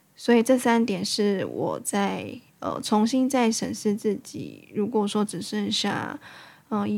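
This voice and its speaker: The recording is very clean, the background silent. A woman talks at a very slow pace. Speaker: podcast host. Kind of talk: personal reflective monologue. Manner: hesitant, with many fillers.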